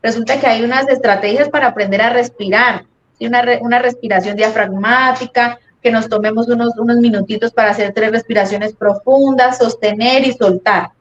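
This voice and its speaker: A woman's voice: a little high, steady tone, a little fast, slight background noise. A woman psychologist, patiently explaining parenting ideas in a live-stream talk and acting out little scenes. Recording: dull lo-fi stream audio.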